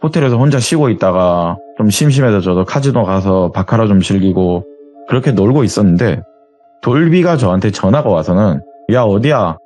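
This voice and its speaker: A man's voice: fairly low pitch, fairly quick, faint music behind. A man telling a true story as an interview guest in a conversational way, acting out his friends' lines as he goes. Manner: animated, acts out friends' lines in quoted dialogue; self-described grumbler.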